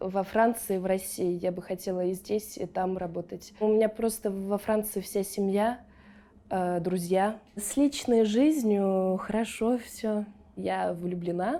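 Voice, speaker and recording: Speaking in a French accent, this voice has a dark, mellow tone and fairly even intonation. The pace is very slow. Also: woman. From France. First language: French (speaking Russian). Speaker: actress. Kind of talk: interview.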